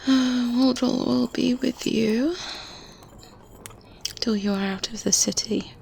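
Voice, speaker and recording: A woman voicing a kindly, motherly good witch in a gentle, breathy ASMR roleplay whisper, teasing softly and reassuring as she goes. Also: on the high side, fairly even intonation, full character voice. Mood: earnest, reassuring. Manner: gentle, unhurried, coaxing, little hums. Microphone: close binaural microphone. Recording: close binaural mic with faint ambience noise. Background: medieval ambience sounds.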